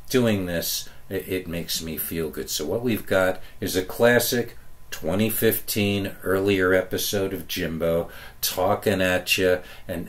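Low-voiced man hosting a podcast. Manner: halting, repeats words. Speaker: podcast host. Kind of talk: rambling podcast introduction.

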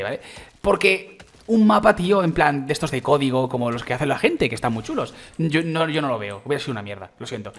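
A man with a Spain Spanish accent giving excitable, rambling let's-play commentary while trying out a game, full of exclamations. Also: mid-range voice. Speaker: gaming youtuber.

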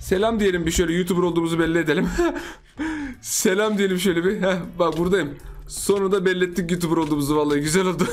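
A young man giving playful, chatty commentary over his own gameplay, repeating phrases and laughing often. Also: high-pitched. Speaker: gaming YouTuber.

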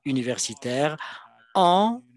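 A man interpreting a formal presentation live, in halting phrases that come piece by piece. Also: a little high, sing-song, dry recording. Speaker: simultaneous interpreter.

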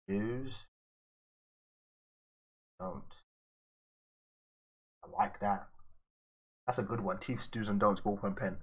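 An easygoing young guy raised in London, speaking London English, streams live as an artist, loosely chattering and answering viewers while drawing at an indoor desk. His slightly low voice sounds pushed and bright in this casual stream chat.

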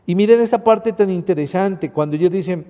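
A man's voice: high-pitched, a little fast, mellow, big-room sound. A priest with a Panamanian accent giving an earnest sermon, often calling his listeners brothers. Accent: Panamanian Spanish.

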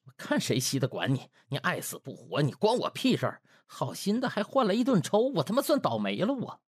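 A man's voice: on the high side, wildly swooping pitch, a little fast, breathy edge, no room sound, studio quality, heavily acted. A man voicing a brash, indignant, foul-mouthed young man who blusters and gripes in a comic audiobook. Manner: blustering, muttering, colloquial griping. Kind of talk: dramatized comic web-novel audiobook.

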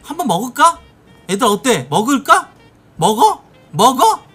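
A man in his thirties streams a game from a small room at his desk mic. He talks casually and curses a lot, and his voice leaps up and down as he yells at every spin. Faint game music runs underneath. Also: extremely high pitch, unhurried, slightly rough. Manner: swearing, excitable, shouts at wins. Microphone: desk mic in gaming chair, webcam framing.

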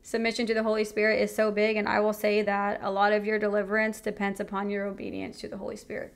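A young woman tells her faith story in an earnest, personal way. Her voice has a gravelly fry and stays quite level in pitch. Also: completely flat delivery, fast talker. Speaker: testimony speaker.

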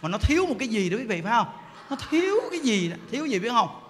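A man, a Buddhist monk, giving an animated, joking dharma talk and acting out people's voices. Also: very high voice, fast talker, a little hiss or hum. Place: temple hall. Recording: hall reverb with faint ambience.

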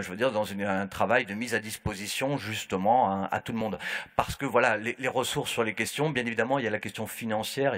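A man speaking on a conference panel in a brisk, casual, chummy way. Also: on the low side, fairly bright tone. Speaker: historian on a panel.

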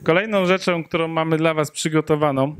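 A man's voice: on the high side, fairly even intonation, brisk, smooth. A man in his thirties giving a tech meetup talk into a handheld mic in a conference room, hesitant with many fillers and joking asides. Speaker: conference speaker. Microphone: handheld microphone.

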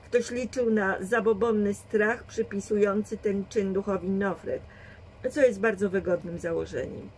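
A woman's voice: medium pitch, fairly even intonation, a little mellow, a little hiss or hum, close to an everyday voice, rough recording. A woman voicing a shrewd, dry and commanding old grandmother who reasons firmly in a read storybook. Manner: measured, firm reasoning.

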